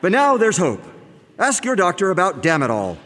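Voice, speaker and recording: Drug-ad announcer, a man plays him, slick, high and lively, reverby. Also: moderate pace, noisy background. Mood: salesy. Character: smooth adult male drug-ad announcer.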